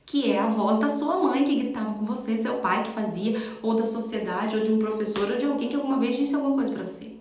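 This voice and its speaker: A woman's voice: a little high, quick pace, hardly any pauses, a little mellow, a little hiss or hum. A woman with a Brazilian accent, a parenting educator talking conversationally to her viewers and often checking in with tag questions. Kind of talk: live-streamed advice talk. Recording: echoey room.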